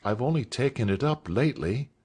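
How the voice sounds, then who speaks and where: A man's voice: mid-range voice, expressive, fairly quick, a little mellow, breathy edge, pitched above the performer's own voice. A man reading aloud voices a nervous, earnest teenage schoolboy who speaks hesitantly.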